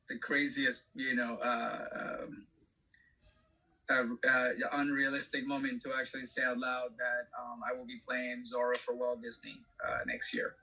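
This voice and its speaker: A middle-aged man from Venezuela, an actor speaking as a panel guest in a halting way, with many fillers. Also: medium pitch, level tone, sharp tone, rough recording. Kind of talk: panel discussion.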